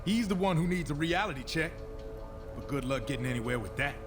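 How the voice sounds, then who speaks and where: An actor playing a tough, stubborn, streetwise superhero in a video game, blunt and skeptical in casual slang. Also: male voice, fairly high pitch, lively intonation, a little fast, close to an everyday voice. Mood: stubborn, scornful. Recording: music under voice.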